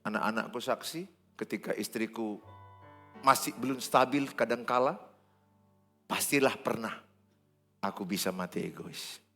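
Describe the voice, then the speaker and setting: A man, preaching a sermon in church in an animated, joking way. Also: lowish voice, unhurried, pauses often, faint music behind. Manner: animated, joking, acts out dialogue. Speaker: pastor.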